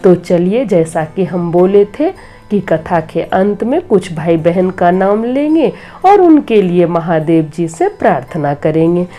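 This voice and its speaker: Middle-aged woman host, slightly hoarse, low mellow voice, slow earnest preaching, faint music under. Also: animated. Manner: earnest, preachy, gently advising. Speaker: devotional storyteller and channel host. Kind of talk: moral talk and devotional storytelling.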